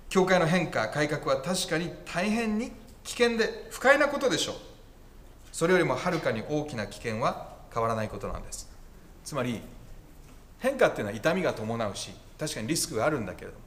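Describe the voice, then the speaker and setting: A man's voice: medium pitch, a bit bright, slight background noise. A male pastor preaching a conversational sermon with wry asides and self-corrections.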